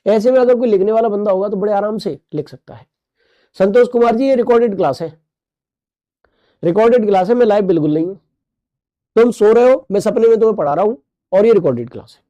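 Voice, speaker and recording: A man's voice: high-pitched, quick pace, pauses often, no room sound, muffled recording. A male teacher giving a recorded class, playful, repeating key terms and asking the class questions. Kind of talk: recorded online class lecture.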